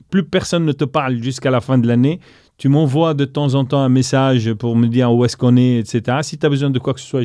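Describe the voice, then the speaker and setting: A middle-aged entrepreneur, appearing as an interview guest, tells the story of a business deal with animated flair, voicing the other people's dialogue. His medium-pitched voice is mellow and warm, captured in a dry, close recording.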